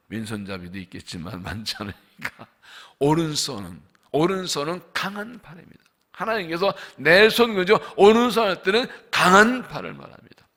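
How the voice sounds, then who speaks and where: Bright, lively Korean pastor preaching. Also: male voice, on the high side. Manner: emphatic, asks the congregation questions; repeats scripture lines with slow emphasis. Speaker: senior pastor. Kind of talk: dawn revival sermon. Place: church sanctuary.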